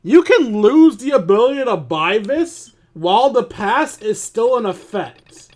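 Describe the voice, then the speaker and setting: A man's voice: extremely high pitch, sing-song, a little slow, darkish tone. A man doing casual livestream game commentary, talking informally with swearing and grumbling. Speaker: video game streamer. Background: music.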